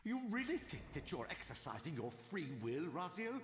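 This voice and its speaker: A sly old sorcerer in a game, higher voice that swoops around, grandiose, echoey. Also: male voice, big pitch swings, moderate pace, fairly bright tone. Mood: reproachful. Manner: grandiose, pleading, theatrically sly. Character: cunning, manipulative old male sorcerer. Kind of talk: dramatic video game voice acting. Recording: echoey long reverb, game music behind.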